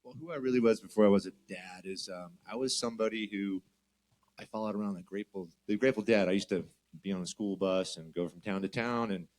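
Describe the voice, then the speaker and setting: A man in his fifties appearing as a band guest, recounting a personal story thoughtfully. His voice is low for a man. He pauses and weighs his words. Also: darkish tone. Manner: thoughtful, reflective. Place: live show venue.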